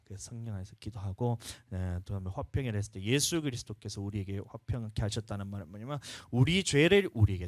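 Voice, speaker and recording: A man's voice: on the low side, no echo. A male pastor with a Gyeongsang accent preaching a sermon in a folksy, storytelling way, urging the congregation along. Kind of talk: sermon at a revival service.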